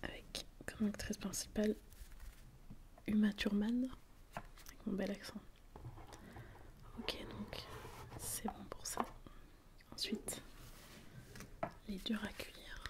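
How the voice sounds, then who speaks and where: Softly whispering woman, flat delivery. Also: mid-range voice, slow, long pauses. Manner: soft unvoiced whisper. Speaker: ASMR creator. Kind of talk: whispered ASMR talk about film quotes. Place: at home, wind outside.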